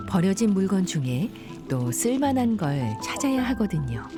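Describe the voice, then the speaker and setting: A woman at a fairly slow pace, her pitch swinging very widely, with music in the background. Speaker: documentary narrator. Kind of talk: documentary narration.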